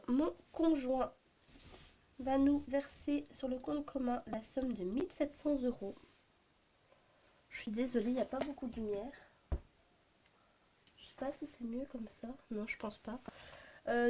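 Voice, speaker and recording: A woman in her thirties with a Belgian French accent, hoarse from a cold, chatting to camera about her family budget with many hesitant fillers. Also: fairly high pitch, a little slow, long pauses, dark tone, a little hiss or hum. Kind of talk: casual talk to camera. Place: home at a desk, morning.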